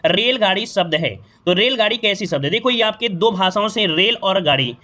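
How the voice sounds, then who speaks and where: Bright, high-voiced male tutor. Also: expressive, normal speed. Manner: repetitive, asks and answers his own questions; talks straight to students, greets them. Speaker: online exam tutor. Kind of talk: live online class, question-by-question explanation.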